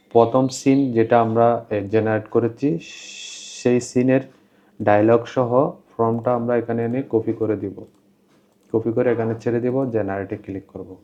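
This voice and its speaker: Male tutorial presenter, mid-to-low everyday voice, plain repetitive step-by-step explaining, slightly lo-fi recording. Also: dark tone. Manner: repeats instructions, plain explanatory delivery. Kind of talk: informal step-by-step screen tutorial. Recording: dull, lo-fi voice-over.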